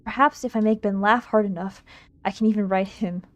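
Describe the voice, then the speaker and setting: A woman streamer reading a visual novel aloud on a livestream, expressive and giggly, stumbling over lines and making asides to chat. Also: medium pitch, a little fast. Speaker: streamer, VTuber. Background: game music.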